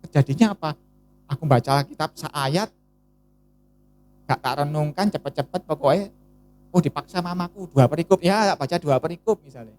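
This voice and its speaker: A woman preaching a sermon in a lively style, often asking the congregation rhetorical questions. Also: sits low, moderate pace, pauses often.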